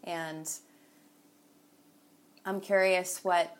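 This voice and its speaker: A woman interviewer asking questions in a measured, curious way. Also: fairly low pitch, little pitch movement.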